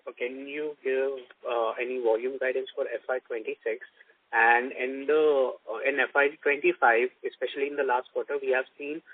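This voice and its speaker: A man asking analyst questions on a conference call, halting and often rephrasing himself. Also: medium pitch, dry recording. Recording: dry, band-limited phone line.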